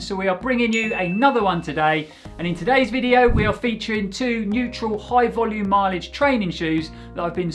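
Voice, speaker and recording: A high-voiced man on his own channel reviews running shoes to camera in a steady, conversational way.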